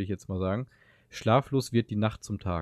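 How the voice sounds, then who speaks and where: A very clean recording with a silent background, dry, close sound with no echo, and ordinary pitch variation. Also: man. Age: 20s. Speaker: podcast co-host, teacher-training student and musician. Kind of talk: casual chat. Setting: indoor home studio. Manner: hesitant, many fillers.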